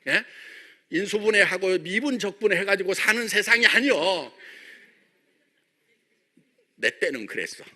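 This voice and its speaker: A man's voice: high-pitched, lively intonation, measured pace, long pauses, pushed and bright. A middle-aged man from Jeolla, a company chairman giving a joking motivational stage speech full of rhetorical questions to his members. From Jeolla, South Korea.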